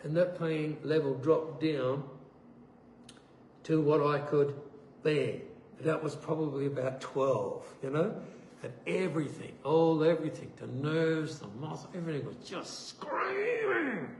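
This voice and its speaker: Animated storytelling preacher, high-pitched man. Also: unhurried. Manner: animated storyteller, acts out quoted voices with laughter. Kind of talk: sermon testimony. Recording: echoey room with faint noise.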